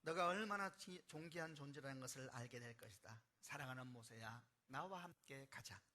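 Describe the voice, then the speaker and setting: Man doing God, tender, slow, gentle, pleading, bright voice, slightly high. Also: very animated, heavily acted.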